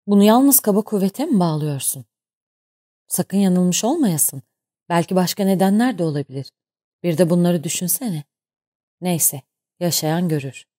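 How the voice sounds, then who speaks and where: A woman's voice: fairly low pitch, lively intonation, normal speed, long pauses, warm tone. A woman voicing a harsh, domineering male ship captain who barks and scorns in an audiobook. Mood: calm, probing. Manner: barking, scornful.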